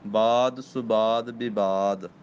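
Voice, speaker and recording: Patient man teaching recitation slowly. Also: fairly low pitch, steady tone, darkish tone, slight background noise. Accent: Punjabi. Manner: patient, corrects word by word, slow chanted demonstration. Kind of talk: line-by-line pronunciation lesson. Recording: dull lo-fi recording with faint ambience.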